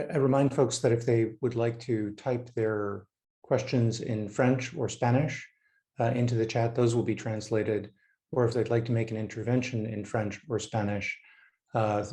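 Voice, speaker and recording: Soft-toned man chairing an online meeting. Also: lowish voice. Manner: measured, hesitant with fillers.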